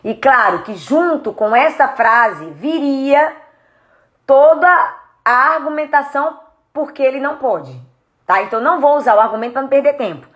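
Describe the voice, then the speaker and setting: A woman's voice: high-pitched, normal speed, muffled recording. A woman with a Brazilian Portuguese accent, a speech therapist giving a direct-to-camera lesson, asking viewers questions and acting out tones of voice. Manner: animated, explains with spoken demos of tone. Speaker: speech therapist and communication coach.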